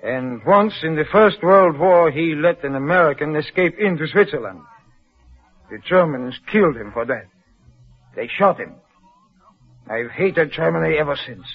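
A polite young refugee. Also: male voice, fairly high pitch, animated, a little slow, pauses often, breathy edge, full character voice. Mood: earnest. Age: 20s. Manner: polite, says sir. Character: young refugee man of twenty-two, respectful and bitter. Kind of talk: 1940s radio acting. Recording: muffled old radio broadcast.

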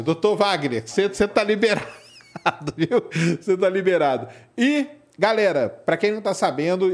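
A Brazilian man with a fairly high voice hosts a live podcast. He speaks casually and with plenty of slang. He often ends phrases with short questions seeking agreement. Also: darkish tone. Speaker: podcast host. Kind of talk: casual live-show chat.

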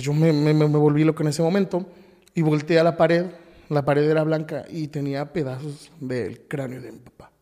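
A man with a Mexican Spanish accent, a podcast guest telling a painful personal story, halting, with frequent restarts and repetitions. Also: a little high, warm tone, long reverb tail.

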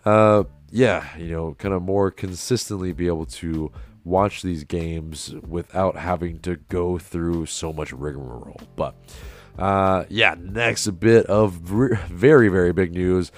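A young man, hoarse from a sore throat, hosting a casual solo sports podcast with lots of fillers and restarts. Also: low voice, a little slow, soft background music. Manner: rambling, many fillers and restarts. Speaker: podcast host.

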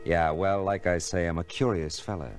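An actor playing a wry, curious hard-boiled private eye in an old radio detective drama, with clipped, slangy delivery. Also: male voice, low voice, fairly even intonation, moderate pace, faint music behind, close to an everyday voice. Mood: wry narrating.

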